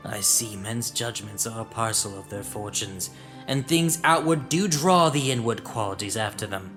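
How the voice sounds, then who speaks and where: A man's voice: fairly low pitch, expressive, moderate pace, fairly bright tone. A man playing a blunt, cynical veteran Roman soldier in a Shakespearean audio drama, with a wry, emphatic delivery. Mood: scornful, musing. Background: music.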